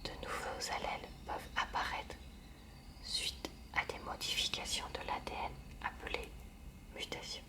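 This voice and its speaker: Hushed library whisper, woman reading ASMR. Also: normal speed, far from the mic. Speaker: ASMR creator reading aloud.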